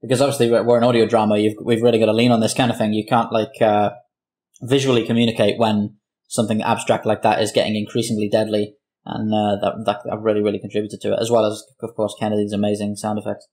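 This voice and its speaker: A man's voice: on the low side, level tone, fast, a little mellow. A man chatting on a roundtable, appreciative but hesitant, often restarting his sentences. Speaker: show creator, podcast panelist. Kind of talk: casual roundtable chat.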